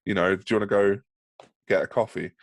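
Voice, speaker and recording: A man's voice: lowish voice, steady tone, fast talker, dry recording. A man speaking as a podcast guest in a casual, informal, thoughtful conversational style.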